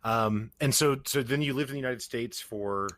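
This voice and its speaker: A man's voice: medium pitch, moderate pace, a bit bright. A man hosting a podcast interview, who asks his questions in a friendly but hesitant way with many fillers and restarts. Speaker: podcast host.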